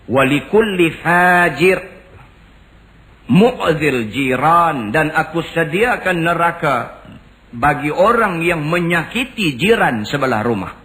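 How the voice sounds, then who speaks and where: Male preacher, sermon, slow emphatic chanting, fairly high voice. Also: lively intonation, bright, forceful tone, low-quality recording. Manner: slow, emphatic chanting of Arabic phrases, then plain storytelling. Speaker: religious preacher.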